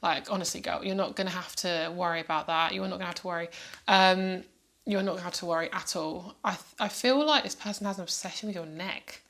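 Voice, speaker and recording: A woman's voice: lowish voice, quick pace, gravelly, a bit bright. A woman giving a casual, intuitive tarot reading, chatting in a meandering, reassuring way straight to the listener. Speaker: tarot card reader.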